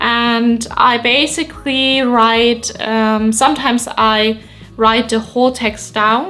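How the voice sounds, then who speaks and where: A fairly high female voice in a German accent, with music in the background. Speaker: online course creator, photographer. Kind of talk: vlog tutorial. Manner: casual with frequent fillers.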